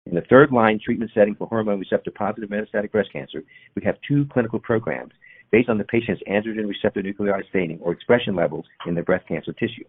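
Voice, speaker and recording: A man's voice: fairly low pitch, fast, slightly rough. A man reading a formal, technical corporate presentation from a prepared script, as an executive on an earnings call. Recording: muffled, band-limited conference call audio.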